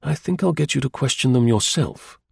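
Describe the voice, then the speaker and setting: A man voicing a calm, probing investigator in a storybook, with a measured, inquisitive and businesslike manner. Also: medium pitch, gravelly, slightly rough, no room sound, clean studio sound, pitched above the performer's own voice, exaggerated voice. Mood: brisk.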